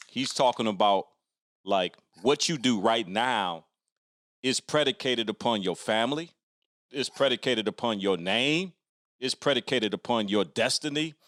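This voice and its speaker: A man's voice: mid-range voice, expressive, unhurried, fairly bright tone, no room sound, clean studio sound. A man hosting a motivational interview, encouraging and preacherly, building his points through repetition. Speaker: podcast host.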